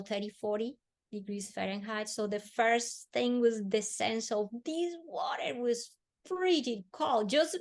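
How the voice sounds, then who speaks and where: Woman, fairly high voice. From Colombia. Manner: earnest, slowing and softening on emotional words. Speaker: podcast guest. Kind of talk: storytelling in a podcast interview.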